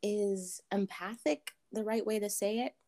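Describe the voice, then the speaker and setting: A young adult woman from Zambia, answering interview questions thoughtfully with many pauses and ums. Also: mid-range voice, steady tone, dark tone. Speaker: interview guest.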